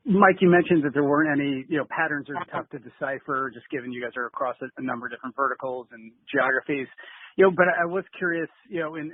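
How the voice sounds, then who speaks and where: Analyst guy phoning in, mid-pitched raspy voice, rambling question, dry tinny line. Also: dry recording. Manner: rambling, peppered with "you know". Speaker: financial analyst. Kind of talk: spontaneous question on earnings call.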